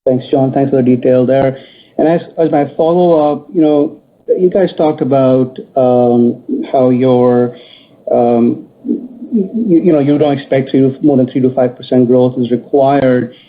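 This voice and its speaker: A man speaking as a financial analyst, politely and haltingly putting questions on a conference call. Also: medium pitch, a little hiss or hum. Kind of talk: conversational earnings call questioning. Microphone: telephone. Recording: narrow tinny phone line.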